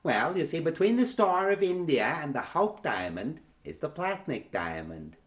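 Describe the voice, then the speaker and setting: An actress playing a self-important, theatrical owner of a cursed jewel in a comedy sketch. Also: female voice, deep voice, very animated, normal speed. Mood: smug. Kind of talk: cabaret sketch comedy acting. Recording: echoey stage.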